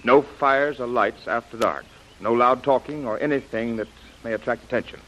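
A man playing a brisk expedition commander. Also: mid-range voice, a bit bright, muffled recording, close to an everyday voice. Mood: commanding. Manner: crisp, commanding, giving orders. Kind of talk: 1930s radio drama acting.

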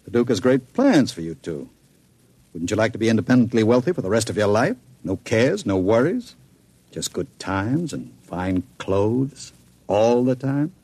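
An actor playing a smooth, scheming gangster who talks in a suave, menacing drawl, in a vintage radio drama. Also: male voice, fairly low pitch, expressive, normal speed, a little mellow, dry recording. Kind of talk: 1940s radio acting.

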